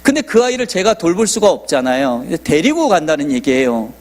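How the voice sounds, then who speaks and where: A man's voice: on the high side, sing-song, brisk. A man in his forties, a pastor telling a personal testimony in a sermon and acting out dialogue. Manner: storytelling, acting out quoted dialogue.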